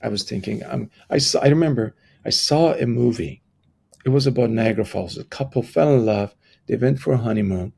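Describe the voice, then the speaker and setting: A middle-aged man with an Iranian accent and a husky, gravelly voice, telling personal stories reflectively as an interview guest. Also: mid-range voice, brisk, mellow. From Iran. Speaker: podcast guest, transformational coach.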